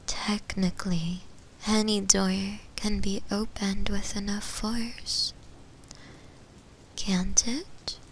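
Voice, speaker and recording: A woman voicing a possessive female shadow demon in a breathy, hesitant, musing whisper for an ASMR roleplay. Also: flat delivery, low-quality recording. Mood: musing, puzzled. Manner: slow, hesitant, musing, with pauses. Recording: close whisper with low rumbling noise.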